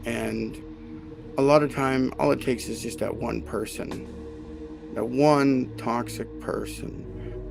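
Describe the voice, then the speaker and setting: Male host, gravelly mid-pitch voice, casual HR livestream talk with faint music behind. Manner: conversational, self-correcting, asks "right?" often. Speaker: HR consultant hosting a live stream.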